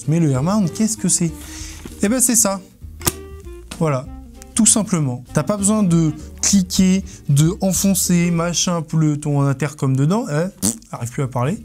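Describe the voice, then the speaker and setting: Man, slightly high voice, informal, playful, self-mocking, casual video review, light music behind. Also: darkish tone. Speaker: presenter of a motorcycle gear video. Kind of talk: casual product review to camera.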